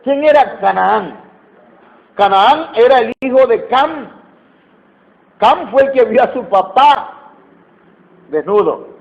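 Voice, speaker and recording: Mexican male preacher, high voice, emphatic sermon, tinny phone-line audio. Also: lively intonation, slow pace, gravelly, pauses often. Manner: emphatic, repeats key phrases, asks the congregation questions.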